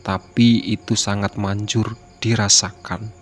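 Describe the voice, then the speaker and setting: A man narrating a horror story as a scripted reading, with a steady, even delivery. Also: on the low side, a little slow, soft background music.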